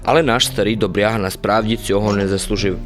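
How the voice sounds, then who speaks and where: An actor playing a good-natured, simple-minded soldier who rambles naively and confidently in a radio play. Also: male voice, on the low side, steady tone, fast talker, natural voice. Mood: rambling, chatty. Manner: rambling, naive tavern philosophizing with confident pronouncements. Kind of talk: radio play character acting. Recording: music under the voice.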